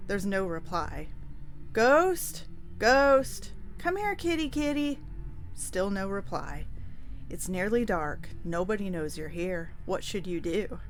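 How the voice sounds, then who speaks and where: A woman reading a storybook aloud expressively as host, with playful, dramatic asides to the listener. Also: medium pitch. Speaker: host reading a choose-your-own-adventure book aloud. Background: music under the voice.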